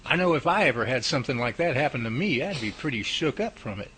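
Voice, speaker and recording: A man's voice: medium pitch, lively intonation, fast talker, a bit bright, slight background noise, natural voice. A man playing a mild, sympathetic colleague of a professor in a radio drama. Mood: relieved, sympathetic. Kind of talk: amateur radio drama dialogue.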